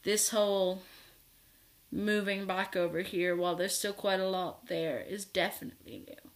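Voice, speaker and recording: A man's voice: high voice, normal speed. Teenage trans guy, roomy echo. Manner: chatty and candid, with frequent fillers. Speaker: vlogger. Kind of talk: casual update to camera. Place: small bedroom indoors. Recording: echoey small room.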